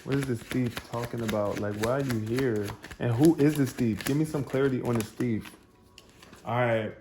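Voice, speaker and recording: Guy doing a tarot reading for viewers, lively and chatty, some faint noise and card shuffling behind. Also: mid-range voice, normal speed. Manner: animated, talks straight to viewers, laughs often. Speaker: tarot reader.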